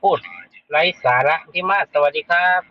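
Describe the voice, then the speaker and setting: A man's voice: fairly high pitch, fairly even intonation, normal speed, dry recording, dull audio. A man hosting a casual live stream, talking bluntly and chattily to his viewers. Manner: blunt, chatty, addresses viewers as brothers and sisters. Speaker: livestream host. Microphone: streaming setup.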